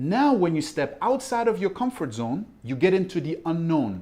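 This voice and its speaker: A French accent with a dark, mellow tone, very wide pitch swings and a moderate pace over a quiet background. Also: man. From Ivory Coast. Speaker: mindset coach. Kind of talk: interview.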